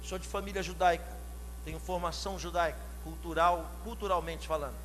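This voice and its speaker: High-voiced preacher from São Paulo. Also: male voice, fairly even intonation, a little fast, soft background music. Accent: São Paulo Portuguese. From São Paulo, Brazil. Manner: rising to loud shouted climaxes, drawn out; asks the congregation direct questions. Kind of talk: sermon. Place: church hall. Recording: long hall reverb, faint hum.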